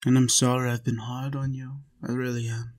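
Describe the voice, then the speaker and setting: A man playing a lonely, tender, centuries-old vampire in an intimate roleplay audio, confiding softly and earnestly. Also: mid-range voice, flat delivery, moderate pace.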